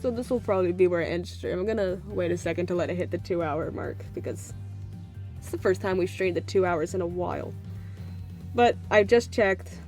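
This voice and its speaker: A woman's voice: fairly low pitch, brisk, darkish tone, faint music behind. Streamer woman losing her voice. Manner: plays all the characters in one voice, sings bits to herself. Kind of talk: reading game dialogue aloud, then casual chat.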